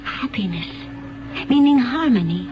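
A woman's voice: a little high, lively intonation, unhurried, noisy background. An actress playing a serene, cryptic woman prisoner in a 1970s radio drama, earnest and insistent. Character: serene, enigmatic woman prisoner who speaks of harmony and programming. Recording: dull vintage radio broadcast, music bed.

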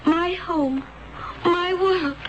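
A woman's voice: very high voice, drawn-out words, heavily acted. An actress playing an innocent, troubled woman of a serene future world in a 1970s radio drama, earnest and questioning. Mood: troubled, protesting. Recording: dull, noisy 1970s radio recording.

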